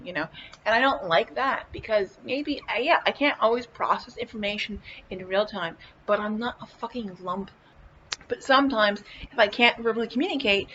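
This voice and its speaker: A woman chatting casually in a personal vlog, goofy and playful, swearing freely and haltingly repeating words as she searches for them. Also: mid-range voice, a bit bright, muffled recording, slight background noise. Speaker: vlog host. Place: indoors, lying in a hospital bed with a fan running.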